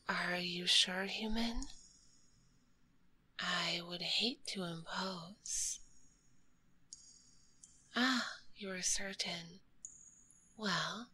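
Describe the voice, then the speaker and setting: A woman voicing a kind, shy, sleepy spider monster in a gentle ASMR roleplay, with a soft breathy whisper and formal, polite wording, close on a binaural microphone. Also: lowish voice, heavily acted. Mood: shy, grateful. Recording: close binaural recording, faint background noise.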